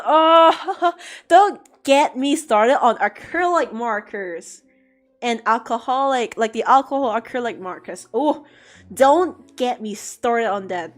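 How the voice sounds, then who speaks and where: A woman chatting casually with her livestream audience, talkative and given to mock-dramatic outbursts. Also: on the high side. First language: English. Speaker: art streamer answering chat.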